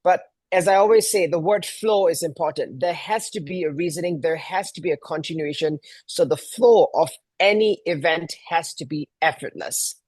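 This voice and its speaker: A middle-aged event planner from Kuala Lumpur, Malaysia, answers interview questions as a guest, sharing personal stories conversationally. His voice is fairly high with a darkish tone and breathy edge, moderately paced with few pauses, recorded dry.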